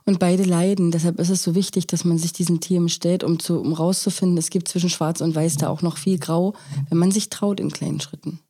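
Woman, low pitch, mellow tone, calm podcast co-host. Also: brisk, hardly any pauses, breathy edge. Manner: calm, adds short agreeing remarks. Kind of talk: casual conversation.

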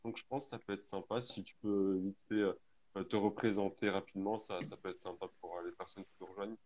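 Low-voiced man hosting a live chat. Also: quick pace. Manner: relaxed, explanatory, many fillers. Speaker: live stream host. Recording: lo-fi online audio.

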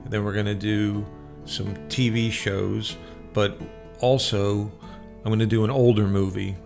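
A man's voice: on the low side, level tone, measured pace, gravelly, darkish tone, faint music behind. A man hosting a radio show, explaining the format in a casual, informal, loosely structured way.

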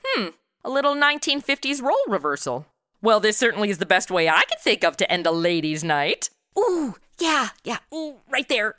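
Brash American twenty-something girl detective voiced by a woman, bright and dry-miked, theatrical, comedic audio drama. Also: mid-range voice, very animated, moderate pace, no echo. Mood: relaxed, pleased. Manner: sassy, slangy, theatrical.

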